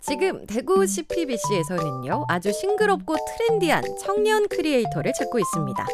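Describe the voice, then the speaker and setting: A woman's voice: high voice, wildly swooping pitch, a little fast, over loud music. A woman from Daegu hosting a live radio show, chatty and laughing often, in a studio. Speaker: radio host. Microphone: studio microphone.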